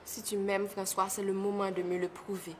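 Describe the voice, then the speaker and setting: A woman's voice: medium pitch, level tone, moderate pace, slight background noise, natural voice. An actress playing a hurt, pleading young woman in a film. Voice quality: pleading, reproachful.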